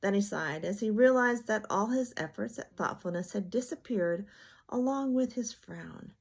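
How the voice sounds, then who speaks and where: A woman's voice: medium pitch, animated, normal speed, gravelly, breathy edge. An older woman reading a children's bedtime story aloud as a storyteller.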